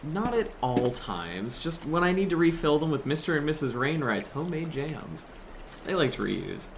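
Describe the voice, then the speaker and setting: An actor playing a modest, practical young mechanic in a naturalistic audio drama. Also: male voice, on the high side, sing-song, normal speed, gravelly. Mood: matter-of-fact. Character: modest, practical young man, small-town boat mechanic. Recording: boat and water noise behind voice.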